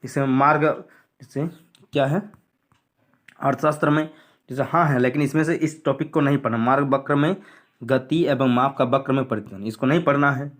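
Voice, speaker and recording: A man's voice: medium pitch, steady tone, a little fast. A man going through a school syllabus on screen, repeating what to study and what to skip in a plain explanatory way. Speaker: teacher.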